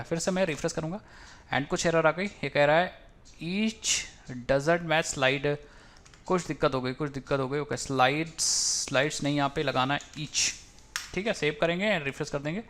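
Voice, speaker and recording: A man walks through a coding tutorial at his desk, talking casually and thinking aloud. His voice sits a little high, and he drops English technical terms into his speech. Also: moderate pace, a bit bright. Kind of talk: screen-recorded coding tutorial.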